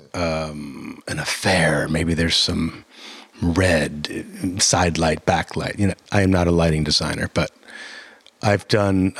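Man, theater director, very low voice, dry close sound, rambling, self-correcting. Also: no room sound. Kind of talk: conversational interview answers.

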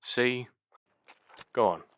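A man's voice: mid-range voice, very slow, fairly bright tone. A man playing a matter-of-fact, mildly scolding family member busy gardening in an audio drama.

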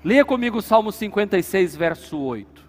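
A man preaches as pastor, his voice sitting unusually high for a man. He drives his points home in an emphatic, repetitive cadence. The sound rings with the long reverb of a church hall. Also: big pitch swings, fairly quick, faint music behind. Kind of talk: sermon.

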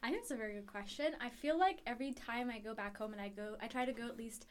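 A woman's voice: a little high, fast, a little hiss or hum. A woman in her twenties from Ethiopia, a student guest on a podcast, talking casually and searching for words as she reflects. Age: 20s. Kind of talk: casual interview.

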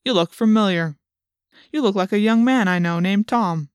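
A woman voicing an adult policeman in an audiobook, official and folksy, probing with quiet menace. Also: mid-range voice, moderate pace, clear, resonant tone, dry recording, clean studio sound, close to an everyday voice. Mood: falsely friendly. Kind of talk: audiobook character voice.

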